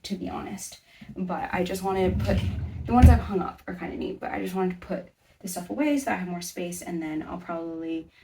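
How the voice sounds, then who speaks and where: A young woman talks through her room makeover in a relaxed, rambling vlog voice, often stopping to correct herself. Her voice is lowish and gravelly with fry. She is picked up by a camera set back across a bedroom. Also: distant mic, a little hiss or hum. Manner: rambling, self-correcting, talks while tidying. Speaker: vlogger. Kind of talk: casual chatty vlog narration.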